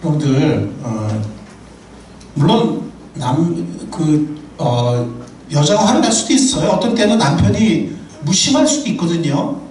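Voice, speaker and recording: Pastor guy preaching, lively ups and downs, kinda high voice, echoey church from far away. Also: a little slow, a little hiss or hum. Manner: animated and humorous, tells personal anecdotes. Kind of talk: sermon. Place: church sanctuary.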